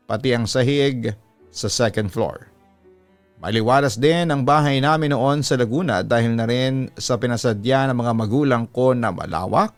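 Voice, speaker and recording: A man with a Filipino accent narrating a scripted first-person horror story, reading out a letter as the storytelling host. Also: mid-range voice. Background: background music.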